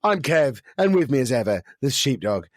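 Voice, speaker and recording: A man hosts a podcast with a slightly croaky voice. His delivery is dry and self-deprecating, at a middling pitch, and the recording is close and dead with no room sound. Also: big pitch swings, normal speed, dry recording. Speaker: podcast host. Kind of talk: casual podcast chat.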